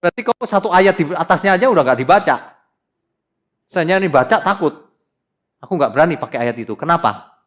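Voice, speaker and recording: A middle-aged male pastor preaching a sermon in an animated, teasing way, putting questions to the congregation and reading scripture slowly and dramatically. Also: on the high side.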